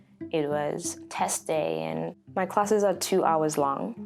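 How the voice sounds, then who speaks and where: Fairly slow speech over music in the background. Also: woman. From South Africa. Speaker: ESL teacher. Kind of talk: personal reflective narration.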